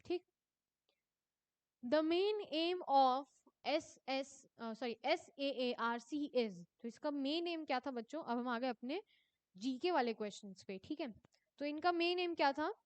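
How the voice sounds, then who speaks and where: A young woman teacher works through an exam paper, her voice pitched high. She reads each question out slowly and drops her tone at every answer, then explains it briskly in Hindi mixed with English. The recording is dry and close. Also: no echo. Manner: addresses students as children, ends answers with a falling tone.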